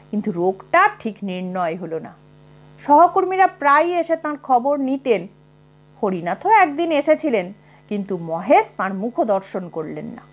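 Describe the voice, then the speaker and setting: A woman narrating a humorous short story in an expressive, dramatic audiobook style. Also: mid-range voice. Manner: expressive, with wide rises and falls.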